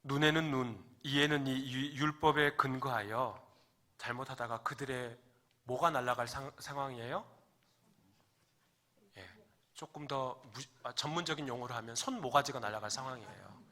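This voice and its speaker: A male pastor delivers a Sunday sermon in a church sanctuary with a bright, forceful tone. He talks in a loose, conversational way, tossing questions to the congregation and slipping in jokes. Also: medium pitch, normal speed.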